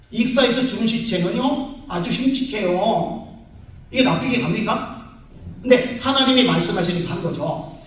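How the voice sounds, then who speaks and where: A middle-aged male pastor preaching a revival sermon with a strong, carrying voice, telling stories in an animated way and acting out the voices of the people in them. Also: high-pitched. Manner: animated storytelling, acts out voices, sudden shouts. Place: large church hall. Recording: very echoey hall, voice from far off.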